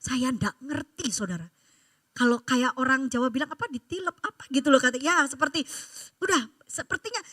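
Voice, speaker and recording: A woman pastor preaches to her congregation. Her voice sits high and rings very bright, telling stories with animation and pressing each point with emphasis. The sound is close and dry. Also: fairly quick, no room sound. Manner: animated storytelling, emphatic exhortation. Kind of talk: sermon. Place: church service.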